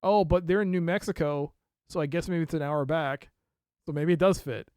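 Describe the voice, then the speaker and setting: Male streamer, casual let's play commentary, animated, a touch high-pitched. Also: normal speed, clear, resonant tone, no room sound, clean studio sound. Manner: animated, reads notes aloud and laughs at the game.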